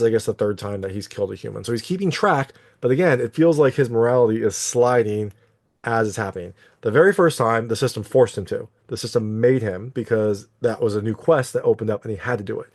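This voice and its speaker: A man giving a casual spoken recap and review of an anime, full of conversational fillers. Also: medium pitch.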